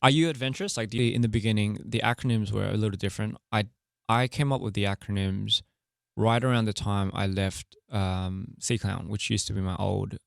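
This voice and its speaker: A young man chatting candidly as an interview guest, loose and relaxed, full of fillers and laughing easily. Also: lowish voice, brisk, vocal fry, dry recording, studio quality. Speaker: interview guest, music artist and director. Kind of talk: casual interview chat.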